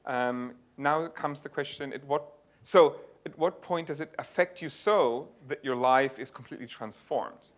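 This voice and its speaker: At a lecture venue, a man presents his research at a conference and then takes audience questions. His mid-range voice is unhurried, and he thinks aloud as he explains, often restarting his sentences.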